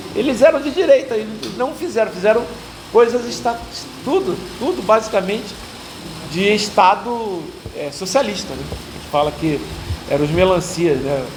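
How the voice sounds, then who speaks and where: Amid noticeable background noise and audible room echo, a man speaks in a high pitch with very wide pitch swings, big swings in loudness and long, frequent pauses. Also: moderate pace. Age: 60s. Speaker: university lecturer. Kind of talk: lecture. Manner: casual, conversational.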